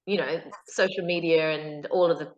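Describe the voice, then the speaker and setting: A woman's voice: low voice, fairly even intonation, moderate pace. New Zealand woman on an echoey call. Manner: chatty, anecdotal, frequent fillers. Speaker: guest actor. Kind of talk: casual interview chat. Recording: echoey, dull lo-fi call audio.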